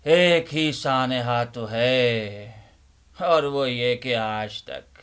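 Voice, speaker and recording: A man playing a bookish old librarian uncle, giving theatrical, emphatic Urdu-literature readings with deliberate repetition. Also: medium pitch, fairly bright tone, clean tone, close to an everyday voice. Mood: earnest, pleading. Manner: emphatic, deliberate, repeats phrases rhetorically. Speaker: host, dramatic reader of Urdu literature. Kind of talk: theatrical dramatic reading and monologue.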